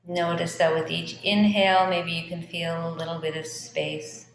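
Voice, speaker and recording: A woman teaching yoga, leading a guided meditation in a gentle, unhurried, soothing manner. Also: on the low side, little pitch movement, creaky, slight background noise. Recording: echoey reverberant room with music behind.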